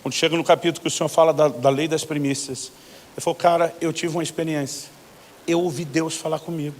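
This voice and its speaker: A middle-aged Brazilian pastor preaching in a somewhat high voice, with a Brazilian Portuguese accent. He tells his stories with animation and acts out the quoted dialogue of each person in turn. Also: fast talker, a little hiss or hum. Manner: animated storyteller acting out both sides of conversations. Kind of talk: sermon storytelling with quoted dialogue.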